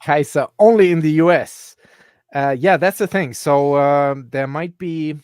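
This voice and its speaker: A man's voice: fairly high pitch, a little slow, darkish tone, smooth, dry recording, clean studio sound. A man hosting a casual crypto podcast, chatty and laughing often. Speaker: host.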